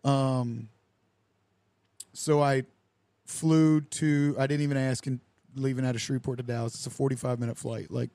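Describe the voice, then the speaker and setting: Young man hosting a podcast, lively anecdote teller who plays out the dialogue, mid-pitched, dry close sound. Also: normal speed, dry recording. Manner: animated storyteller who acts out quoted dialogue with lively voices. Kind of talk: casual storytelling chat.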